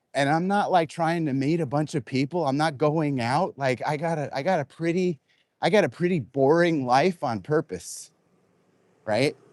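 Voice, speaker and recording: A man speaks at a moderate pace with a fairly high pitch. The background is quiet. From US West Coast. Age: 40s. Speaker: livestreamer. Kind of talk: casual live-stream chat while walking. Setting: outdoors, walking. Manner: casual, rambling with frequent repetitions.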